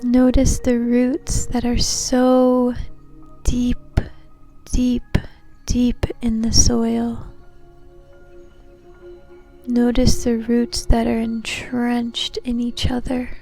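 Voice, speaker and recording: A woman leading a guided meditation in a soothing, gentle, unhurried manner. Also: on the high side, completely flat delivery, vocal fry. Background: soft background music.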